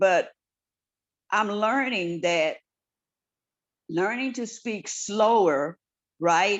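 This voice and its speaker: In a Texan accent, the speaker goes at a very slow pace with long, frequent pauses and ordinary pitch variation. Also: woman, medium pitch for a woman. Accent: Texan, often taken for Louisiana. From Texas. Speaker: book club participant. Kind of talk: group discussion.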